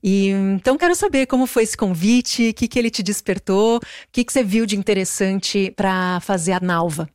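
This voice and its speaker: A woman's voice: mid-range voice, normal speed, few pauses, a little mellow, clean tone, dry recording, clean studio sound. A woman interviewing an actress for a TV channel, asking enthusiastic, admiring questions. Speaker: interviewer, TV presenter.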